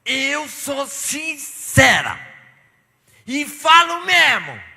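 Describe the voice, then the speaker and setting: A man voicing a loud, quarrelsome middle-aged churchwoman who insists she is just being honest, shouting and insistent. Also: very high voice, very animated, very slow, vocal fry, big-room sound, pitched above the performer's own voice, heavily acted. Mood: defiant.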